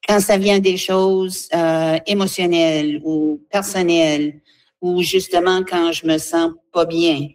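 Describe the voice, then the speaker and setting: A woman, a guest speaking earnestly for a seniors' association, pausing often with fillers. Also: fairly low pitch, fairly even intonation, darkish tone. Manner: earnest, halting, with many fillers. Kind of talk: radio interview, advocacy.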